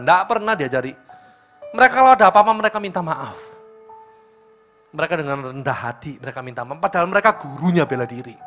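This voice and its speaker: A male pastor with an East Javanese accent preaching at a church service, telling a story and speaking straight to the congregation. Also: on the high side. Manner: lively storytelling, addressing the congregation directly. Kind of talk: sermon.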